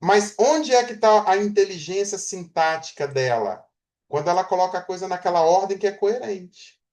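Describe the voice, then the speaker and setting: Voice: mid-range voice, lively intonation, moderate pace, darkish tone. A Portuguese teacher giving a grammar lecture, explaining through everyday examples and often checking in with the class.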